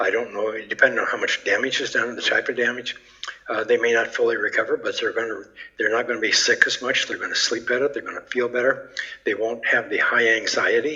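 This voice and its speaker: Noticeable background noise accompanies a man talking very fast. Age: 70s. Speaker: grounding researcher and entrepreneur. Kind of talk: interview. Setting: podcast interview. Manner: halting, repeated words.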